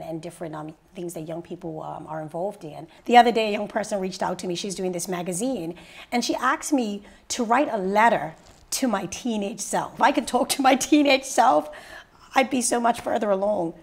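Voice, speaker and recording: Bermudian woman, 30s, gravelly voice, lively storyteller, interview guest. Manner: lively storyteller, rises high when excited. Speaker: interview guest, radio personality and youth mentor. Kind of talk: sit-down interview. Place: living room set indoors.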